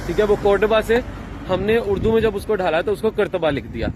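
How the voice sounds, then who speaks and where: A man explains things in a relaxed travel vlog, pausing on fillers and starting over mid-sentence. He is recorded outdoors in a town, with faint street noise and passing traffic behind him. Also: on the high side. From Pakistan. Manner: chatty, explaining with many fillers and restarts. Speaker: travel vlogger.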